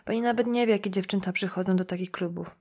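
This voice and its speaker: A woman's voice: mid-range voice, fast talker, close to an everyday voice. A woman reading an audiobook, voicing a shy, talkative teenage village girl who runs herself down. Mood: chatty. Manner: lively, chattering, self-deprecating.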